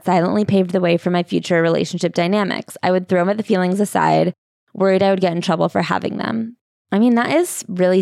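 Over a quiet background, the text is read in a natural reading voice whose intonation stays fairly even.

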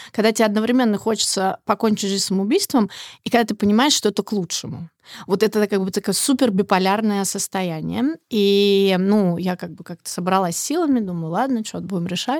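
On a very clean recording with a silent background and a dry, close sound with no echo, a woman with a plain, everyday voice speaks at a fairly quick pace with ordinary pitch variation. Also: medium pitch for a woman. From Moscow region, Golitsyno. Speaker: PR agency founder. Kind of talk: interview conversation.

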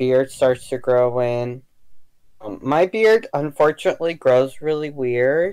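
Speaking fairly slowly, a man with a normal speaking voice and medium pitch uses lively intonation, with big swings in loudness. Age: 30s. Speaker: caregiver. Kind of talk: interview.

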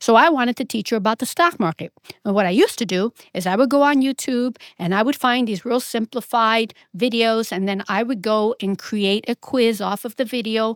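A woman with a normal speaking voice and an American accent talks at a fairly quick pace and a fairly high pitch with ordinary pitch variation, in a dry, close sound with no echo on a very clean recording with a silent background. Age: 50s. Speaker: wealth management coach. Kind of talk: panel interview.

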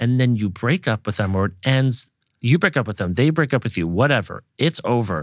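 In a very clean recording with a silent background and a dry, close sound with no echo, a man with an ordinary speaking voice talks at medium pitch, at a fairly quick pace and with lively intonation. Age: 40s. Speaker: podcast co-host, writer. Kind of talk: casual chat.

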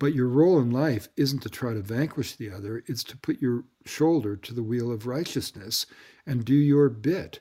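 A man speaks in a dark, mellow tone at medium pitch and a moderate pace, with ordinary pitch variation. His loudness swings widely in a very clean recording with a silent background. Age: 60s. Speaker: anthropologist and author. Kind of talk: interview.

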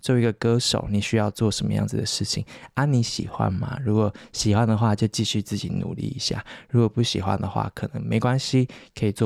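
Intonation stays fairly even as a man moves at a fairly quick pace. Everything is captured very cleanly, against a silent background. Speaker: podcast host. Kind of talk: casual interview chat; scripted narration. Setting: in a car.

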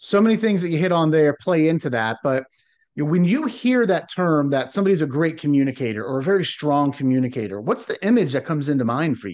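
A fairly high-pitched male voice at a very fast pace, with very wide pitch swings. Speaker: podcast host and communication training executive. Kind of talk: interview.

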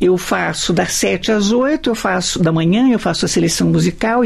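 Over noticeable background noise, a woman speaks at a moderate pace. Her intonation is lively. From São Paulo interior, Bragança Paulista. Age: 50s. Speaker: radio and TV presenter. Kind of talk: interview.

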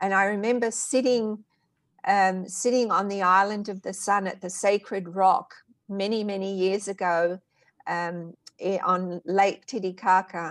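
Speaking at a fairly slow pace, a woman with an Australian accent has a medium pitch, captured in a very clean recording with a silent background. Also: fairly even intonation. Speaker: spiritual channel and sound healer. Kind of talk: interview. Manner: halting.

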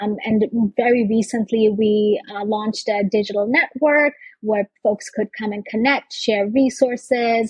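A somewhat breathy woman's voice, fairly high in pitch, with fairly even intonation at a fairly slow pace. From Bangladesh. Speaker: health equity advocate and researcher. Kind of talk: interview.

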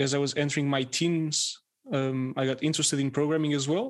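Against a quiet background, a man with a Portuguese accent speaks in a fairly high pitch with monotone, flat intonation. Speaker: APL and Python educator. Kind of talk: casual chat.

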